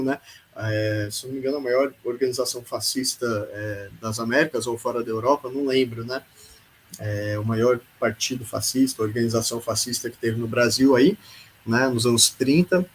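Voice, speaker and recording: A man's voice: mid-range voice, a little hiss or hum, low-quality recording. A man hosting a podcast, giving casual, sarcastic political commentary and peppering his speech with filler tags. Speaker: podcast host.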